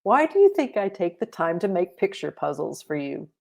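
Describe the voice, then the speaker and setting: A woman voicing a patient, loving mother in a children's storybook, gently teaching in a measured way. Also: on the low side, big pitch swings, creaky, full character voice. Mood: gentle, patient. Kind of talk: children's storybook read-aloud.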